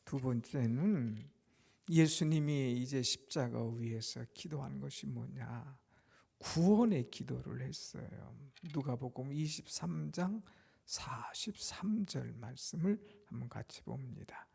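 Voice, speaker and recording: A male pastor preaching a Good Friday sermon, swinging from loud declarations to hushed whispers and leading the congregation in amens. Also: medium pitch, animated, takes it slowly, vocal fry, slightly rough. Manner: leads the congregation in amens and responses.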